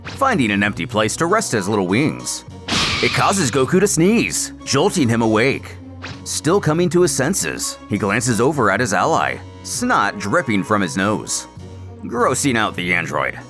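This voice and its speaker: A man giving dramatic scripted story narration with expressive storytelling emphasis. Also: lowish voice. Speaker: narrator of fan comic recaps. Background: background music.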